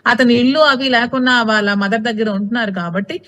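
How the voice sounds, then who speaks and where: A woman's voice: on the high side, fairly even intonation, a little fast, fairly bright tone. A woman answering questions in a TV interview, outspoken and insistent, often repeating her points.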